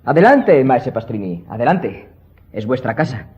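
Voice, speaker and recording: Husky, lively carefree gentleman. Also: medium pitch, moderate pace. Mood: jovial. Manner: jaunty, teasing. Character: breezy, amused, carefree young gentleman. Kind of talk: radio drama acting. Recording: dull recording.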